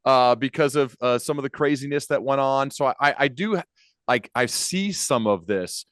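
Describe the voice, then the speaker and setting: A man's voice: mid-range voice, moderate pace, fairly bright tone, no echo, clean studio sound. A man hosting a podcast, asking long, curious questions in an informal conversational way. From Ohio, United States. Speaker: podcast host, interviewer. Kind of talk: conversational interviewing.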